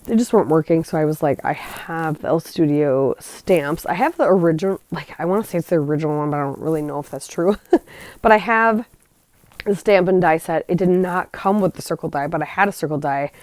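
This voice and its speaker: A woman's voice: deep voice, fairly quick, a little mellow, no room sound. A woman hosting a scrapbooking channel, narrating her project in a chatty, rambling way that trails off and corrects herself. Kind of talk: casual craft voice-over.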